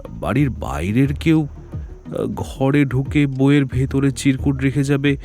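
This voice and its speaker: A man's voice: medium pitch, a little slow, dark tone, close to an everyday voice. An actor playing an anxious middle-aged jeweller who fears he will be murdered, talking in a hesitant, worried way with faint music behind. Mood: explaining. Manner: hesitant, worried, explaining at length. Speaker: client. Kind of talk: Bengali audio drama acting.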